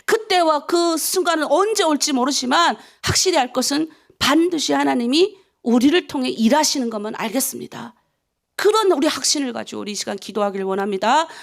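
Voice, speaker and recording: A woman's voice: sits high, expressive, brisk, vocal fry. A woman pastor, originally from North Korea, preaching an impassioned early-morning prayer sermon full of rhetorical questions.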